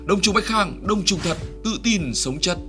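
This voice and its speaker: A man's voice: sits high, lively intonation, normal speed, sharp tone. A man reading a scripted commercial voice-over as an advert announcer. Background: music.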